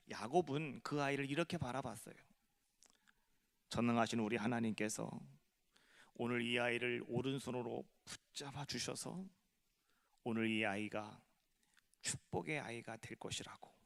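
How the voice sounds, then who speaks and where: A male pastor preaching a sermon, retelling a story slowly and softly, then building to loud, fervent appeals. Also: medium pitch, vocal fry. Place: church sanctuary. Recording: echoey church hall.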